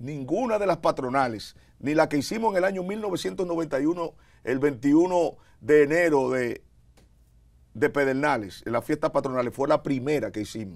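Over a quiet background, a man with a plain, everyday voice and a fairly high pitch speaks at a fairly slow pace with lively intonation. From Dominican Republic. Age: 50s. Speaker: radio announcer and media executive; radio announcer. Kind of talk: interview. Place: studio. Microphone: lapel.

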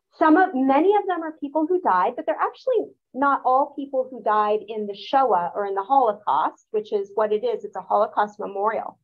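A woman with a high pitch speaks at a fairly quick pace. She hardly pauses at all. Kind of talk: talk to a small audience, explaining. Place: hall. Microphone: camera far.

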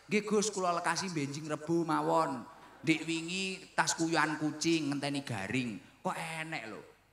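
The speaker moves at a fairly slow pace. Light background noise and audible room echo are present. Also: man, fairly high pitch for a man, ordinary pitch variation. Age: 20s. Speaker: Islamic preacher. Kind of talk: sermon. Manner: animated. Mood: humorous, relaxed. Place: stage. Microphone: handheld.

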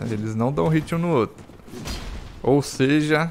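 Fairly high in pitch, a man talks at a fairly slow pace with lively intonation. Light background noise can be heard. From Brazil. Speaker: gaming YouTuber. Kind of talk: casual gameplay commentary. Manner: animated. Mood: a bit frustrated.

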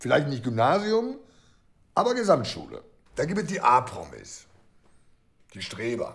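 At a moderate pace, a man talks with very wide pitch swings. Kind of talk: scripted acting, mockumentary interview monologue. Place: office.

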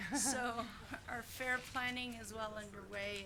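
There is noticeable background noise as a woman talks, along with audible room echo. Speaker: county extension staff. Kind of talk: meeting report. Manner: soft-spoken; hesitant, many ums.

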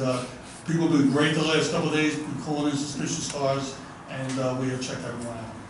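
A man speaking at a fairly quick pace, with audible room echo and noticeable background noise. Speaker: police official giving report. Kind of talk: public meeting report. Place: hall. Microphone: camera far.

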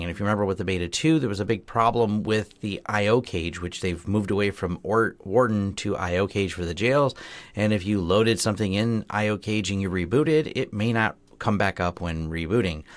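A man speaks in a normal speaking voice at a fairly low pitch. His pace is fairly quick. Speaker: tech channel host. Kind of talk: tutorial commentary. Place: home room.

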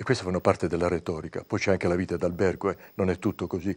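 The background stays quiet. Over it, a man speaks very fast. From Southern Italy, Reggio Calabria; Calabria, Italy. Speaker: journalist, war correspondent. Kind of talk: TV interview. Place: studio. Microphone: lapel.

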